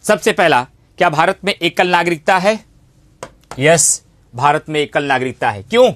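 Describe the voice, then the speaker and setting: A man's voice: fairly high pitch, animated, normal speed, a bit bright. A man teaching an online civics class, emphatic, repeating phrases and posing rhetorical questions. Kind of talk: online exam-coaching lecture on civics.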